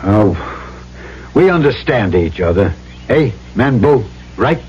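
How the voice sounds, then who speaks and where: A man's voice: mid-range voice, very animated, slow, noisy background. A man playing an earnest, conscience-stricken white trader in an old-time radio drama, in narration and dialogue. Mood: awkward, gentle. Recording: muffled old radio broadcast, music behind.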